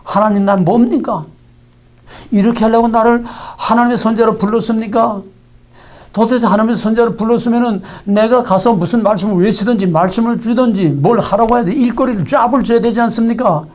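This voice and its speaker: A man's voice: high-pitched, fairly quick, a little mellow, lightly acted. An anguished prophet crying out to heaven, as a male preacher acts him out in the sermon. He pleads, protests and hurls questions one after another in an everyday speaking voice. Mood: anguished pleading. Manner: pleading, accusing rhetorical questions.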